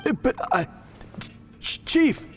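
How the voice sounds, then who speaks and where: A man's voice: slow, natural voice. A man playing an earnest, deferential, easily flustered tribal priest in a video game. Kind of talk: video game character acting. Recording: reverberant, faint music behind.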